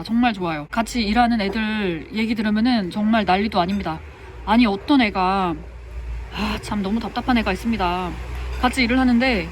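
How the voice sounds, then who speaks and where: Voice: medium pitch, a little hiss or hum. Chatty vlogger venting in a cafe. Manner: chatty, venting frustration about a coworker. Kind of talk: casual vlog monologue. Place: cafe, eating a meal.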